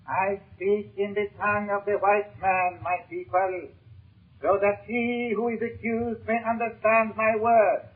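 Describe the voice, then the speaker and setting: An actor playing a solemn, menacing tribal leader, declaiming ceremonially in 1930s radio serial style. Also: male voice, high voice, level tone, a little slow, phone-quality sound. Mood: solemn, ritual. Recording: noisy, thin 1930s radio recording.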